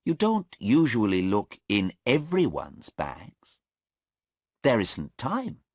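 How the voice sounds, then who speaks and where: A man voicing a sharp defence lawyer questioning a witness. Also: fairly low pitch, wildly swooping pitch, slow, no room sound, clean studio sound, voice pushed up, heavily acted. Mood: pressing.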